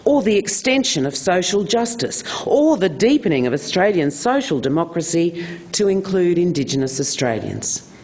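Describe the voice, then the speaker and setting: A man reading a political speech aloud in a measured, deliberate oratorical manner, with emphatic repeated phrasing. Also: a little high, darkish tone. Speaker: reader of a famous political speech on stage.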